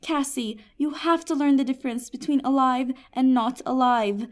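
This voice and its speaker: A woman plays a helpful genie at a magical support desk in a fantasy audio comedy. The voice is fairly high, and the manner is patient, professional and wry. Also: normal speed, natural voice. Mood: patient, businesslike.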